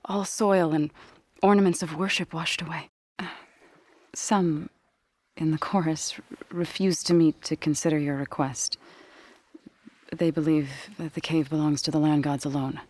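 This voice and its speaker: Low, breathy, solemn tribal woman. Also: darkish tone, dry recording. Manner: measured, earnest, formal phrasing. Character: solemn, gentle tribal woman, grave singer of a farming people. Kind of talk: video game character dialogue.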